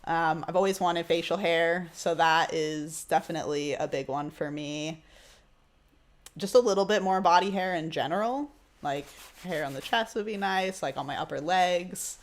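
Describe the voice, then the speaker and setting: Podcast co-host, trans man early on testosterone, high voice just beginning to drop, easygoing and laugh-prone. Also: normal speed. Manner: upbeat, laughs often. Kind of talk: casual chat.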